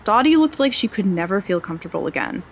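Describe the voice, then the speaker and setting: A woman's voice: mid-range voice, very animated, quick pace, a little hiss or hum. An actor playing an earnest, wry young woman fresh out of journalism school who is investigating a mystery, in a naturalistic audio drama. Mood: reflective. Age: young adult.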